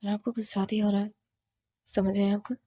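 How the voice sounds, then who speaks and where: A woman's voice: mid-range voice, little pitch movement, fast, no room sound, natural voice. A woman voicing a firm young female college student who sharply tells off an unwanted admirer. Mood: scolding. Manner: sharp, scolding.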